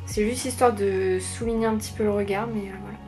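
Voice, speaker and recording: A woman's voice: medium pitch, steady tone, fairly quick, dark tone. A young woman chatting casually through a makeup tutorial, rambling with many fillers, recorded on a camera mic at home. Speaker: beauty vlogger. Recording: faint background music.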